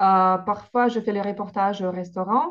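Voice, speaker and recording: A woman with a slight Ukrainian accent, her intonation fairly even, against a quiet background. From Ukraine. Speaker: food photographer. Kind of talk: interview. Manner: halting, many hesitations.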